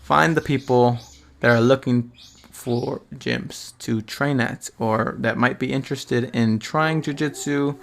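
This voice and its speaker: Gravelly young man musing casually. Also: mid-range voice, fairly even intonation, measured pace. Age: 20s. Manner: rambling, slangy, swears, many restarts. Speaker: podcast host. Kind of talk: casual reflective solo monologue.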